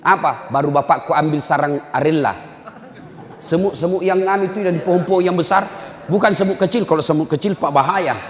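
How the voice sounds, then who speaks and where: A man preaching a humorous sermon, acting out parents and children and shouting his punchlines. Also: fairly high pitch, brisk. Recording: echoey hall with long reverb.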